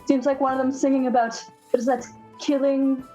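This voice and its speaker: A woman with a somewhat high voice bantering at a game table. She chats loosely and jokes in and out of character. Faint music sits in the background. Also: flat delivery, brisk, mellow, muffled recording. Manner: chatty, playful banter. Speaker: player. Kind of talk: casual tabletop role-play.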